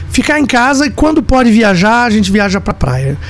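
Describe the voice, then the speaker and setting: A man talks with lively intonation, noticeable background noise audible behind him. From São Paulo state, Sorocaba. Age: 40s. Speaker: state legislator and federal police agent. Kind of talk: interview.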